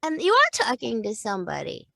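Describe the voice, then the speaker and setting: A middle-aged woman, a voice-over teacher, chatting in an interview in an animated way, laughing often and acting out example lines. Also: a little high, a little fast, vocal fry, no echo, studio quality. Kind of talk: casual interview chat.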